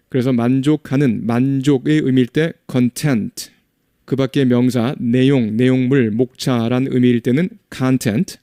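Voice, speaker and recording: A man giving a vocabulary lesson in a mellow, relaxed voice. He reads example sentences slowly and then works through what each word means. The recording is dry and close. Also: medium pitch, dry recording. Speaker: English teacher.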